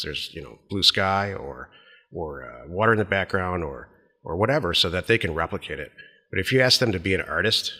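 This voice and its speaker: Middle-aged American man, very low voice, bright forceful edge, blunt, casual advice chat, long reverb. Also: husky. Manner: blunt, opinionated. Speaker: podcast co-host.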